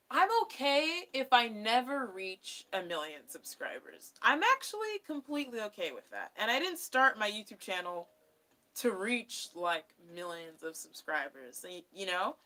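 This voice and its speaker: Livestream host: young American woman, bright edgy tone, informal and rambling, chatting with viewers. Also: a little high, very animated, a little slow. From California, USA. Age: young adult. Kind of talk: casual live stream chat. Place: small decorated bedroom, indoors.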